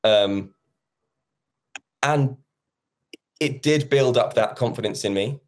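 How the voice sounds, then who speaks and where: Speaking slowly with a medium pitch, this man from England, a musical theatre actor in his thirties, is a chatty interview guest. In casual conversation he acts out quoted exchanges from the past.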